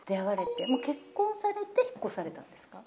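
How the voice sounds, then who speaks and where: A woman hosting an interview at a guest's home, reacting brightly and asking quick follow-up questions. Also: medium pitch, sing-song, noisy background. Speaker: host.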